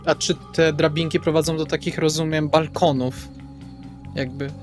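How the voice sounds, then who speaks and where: A man's voice: a little high, little pitch movement, moderate pace. A man taking part in a tabletop roleplaying game with casual, in-character planning talk. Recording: background music with guitar. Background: guitar music.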